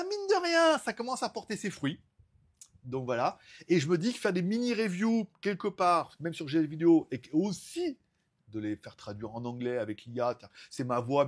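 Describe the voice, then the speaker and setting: A man chats loosely to his viewers about his channel, stumbling and restarting often and breaking into laughs. His voice sits a little high and has a husky edge. It sounds like a relaxed, unscripted vlog. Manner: rambling, many fillers and restarts, laughs often. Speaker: tech YouTuber. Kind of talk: casual chat to camera.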